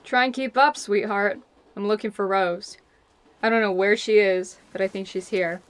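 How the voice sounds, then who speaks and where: A brash female spy from an audio drama, acted by a woman, with a mid-pitched voice. She is sardonic and blunt, a hard drinker who carries old grief and will not back down. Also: steady tone, moderate pace, smooth, close to an everyday voice. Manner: sardonic, blunt, foul-mouthed.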